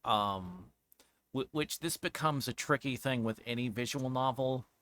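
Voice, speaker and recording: A man giving casual, rambling commentary as a game streamer, halting and searching for words, often trailing off mid-thought. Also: mid-range voice, a bit bright. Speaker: streamer reviewing a visual novel game.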